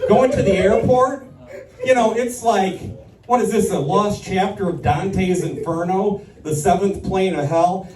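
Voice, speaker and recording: A man's voice: high voice, a little mellow, a little hiss or hum. A man doing stand-up comedy in front of an audience, rambling through sardonic complaints. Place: live stand-up performance in an echoey room. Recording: echoey room, distant mic.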